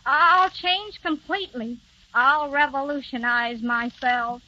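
An actress playing a scatterbrained, well-meaning young wife who chatters to please, in 1930s radio drama style on an old radio broadcast. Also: female voice, high voice, slow, pushed and bright, dull audio, full character voice. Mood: contrite.

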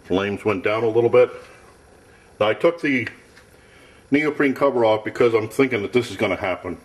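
Off camera in a cluttered home workshop, a man with a fairly low voice tests a camping stove, thinking aloud at a moderate pace. He's a gear tester, and his narration is casual, plain, and matter-of-fact.

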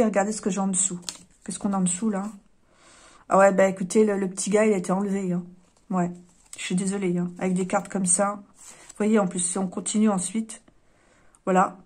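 A woman giving a casual tarot card reading, hesitant and apologetic, often pausing and sighing. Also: mid-range voice, darkish tone. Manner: hesitant, apologetic, with frequent fillers and sighs.

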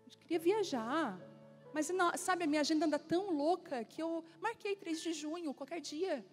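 A woman pastor in her forties preaches from the pulpit, with a high voice. She tells stories and acts out dialogue in lively bursts. Soft music plays faintly behind her. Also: moderate pace. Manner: animated storytelling with acted-out dialogue. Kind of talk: sermon. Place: church.

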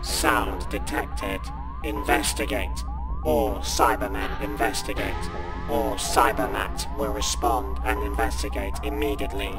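Menacing robotic cyborg soldier, echoing. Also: male voice, medium pitch, wildly swooping pitch, creaky, heavily acted. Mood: cold, commanding. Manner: stilted, commanding, slow deliberate phrasing. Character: cold, ruthless, emotionless Cyberman, a menacing cyborg soldier. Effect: robotic voice processing. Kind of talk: sci-fi audio drama acting. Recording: echoey, distant, under loud music.

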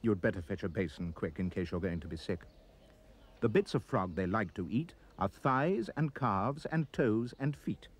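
Man, storybook reader, rhyming poem, lively pitch, husky voice. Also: moderate pace. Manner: expressive storyteller, swooping pitch. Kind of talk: reading a rhyming children's poem.

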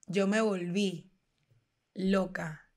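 A young woman with a Venezuelan accent telling a story in casual podcast chat, animated and slangy. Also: mid-range voice, very slow. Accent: Venezuelan Spanish. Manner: animated, slangy, acts out quotes loudly. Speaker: podcast co-host.

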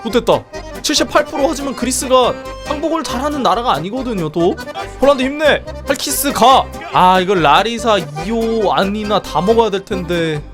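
Young male streamer, excitable play-by-play, slightly strained voice. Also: very high-pitched, moderate pace, music in the background. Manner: animated, exclaiming, laughing often, swearing. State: strained voice from singing. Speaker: streamer commentating a multiplayer strategy game. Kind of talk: excited live game commentary.

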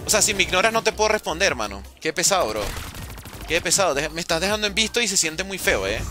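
A man's voice: high-pitched, very animated, quick pace, sharp tone, soft background music. A man, chatting casually and teasing his viewers while streaming a game. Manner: joking, teasing chat with slang. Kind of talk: casual live-stream chat while gaming.

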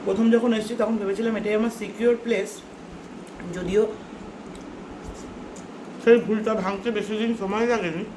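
A woman's voice: mid-range voice, steady tone, normal speed, pauses often. A woman chats casually and confidingly as she eats, rambling along with food often in her mouth. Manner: talks while eating, mouth often full. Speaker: vlogger. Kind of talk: casual mukbang chat. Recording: roomy echo, clearly noisy background.

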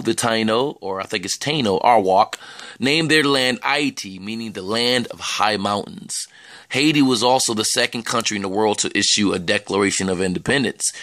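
A man's voice: on the low side, a bit bright, no room sound. A young man from the United States talking earnestly and conversationally to the camera in a personal vlog, recorded indoors close to the camera. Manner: earnest, conversational, with easy laughs. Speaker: vlogger. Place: indoors by a plain wall.

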